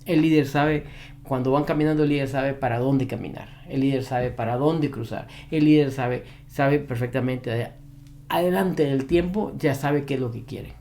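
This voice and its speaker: A man's voice: mid-range voice, moderate pace, mellow, slight background noise. A man who trains dogs giving an advice monologue to camera, repeating his key points with emphasis. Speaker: dog behavior trainer.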